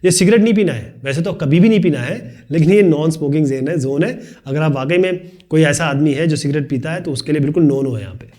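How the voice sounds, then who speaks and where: A man teaching a video lesson, explaining quickly and chattily with joking asides. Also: fairly high pitch, dark tone. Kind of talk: fast classroom video lesson.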